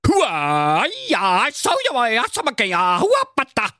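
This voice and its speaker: A man voicing a rude male spy disguised as Red Riding Hood, gruff and scornful, with a Saxon accent. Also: on the high side, big pitch swings, moderate pace, a bit bright, no echo, studio quality, voice pushed up. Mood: fighting. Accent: Saxon German.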